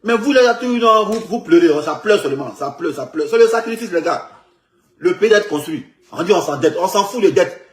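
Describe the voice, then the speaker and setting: An Ivorian man with a fairly high voice launches into what sounds like a heated political rant, casual and street-style, repeating phrases over and over with mocking emphasis. He's expressive and fairly quick, and clear room echo surrounds him.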